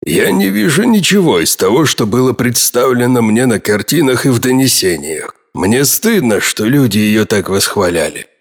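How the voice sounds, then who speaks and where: A man's voice: medium pitch, big pitch swings, moderate pace, hardly any pauses. A man voicing an irritable aging king who speaks in curt, demanding outbursts. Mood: disdainful. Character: irritable aging male king, impatient and domineering. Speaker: voice actor.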